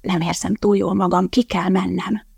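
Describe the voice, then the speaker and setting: A nauseous young scientist, put on by an audiobook reader mumbles in a breathy, groaning half-whisper. The voice is gravelly and heard close and dry. It is a storybook reading. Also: medium pitch, flat delivery, a little mellow, no echo. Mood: queasy whisper. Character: sick, queasy young male scientist.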